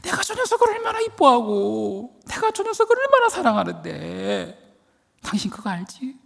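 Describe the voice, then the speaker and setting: A man's voice: huge pitch swings, normal speed, gravelly, in a large hall, heavily acted. A man preaching who plays an angry, indignant father of a wayward son, speaking with heated strain. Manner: heated, shouting in high strain.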